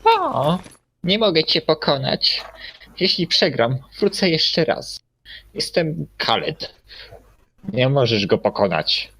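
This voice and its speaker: A man's voice: a little high, wildly swooping pitch, takes it slowly, long pauses, bright, forceful tone, slightly rough, exaggerated voice. Man putting on a swooping, melodramatic genie villain. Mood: boastful, taunting. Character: melodramatic boastful genie villain crying out defiantly. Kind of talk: amateur parody dub of a video game.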